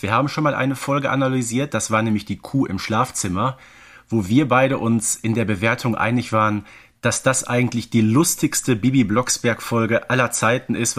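Man around forty, mid-pitched podcast co-host. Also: normal speed, a bit bright. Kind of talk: conversational podcast analysis.

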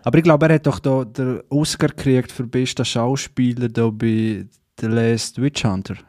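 A man with a Swiss German accent, chatting casually and jokingly as a podcast co-host, often halting to find words. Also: medium pitch, steady tone, darkish tone. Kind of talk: casual film chat.

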